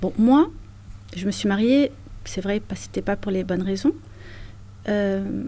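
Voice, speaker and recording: A woman's medium-pitched voice, dark and mellow in tone, very slow, with long, frequent pauses and ordinary pitch variation. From France, Montargis (Loiret). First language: Berber (Kabyle) (speaking French). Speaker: parenting coach. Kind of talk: testimony.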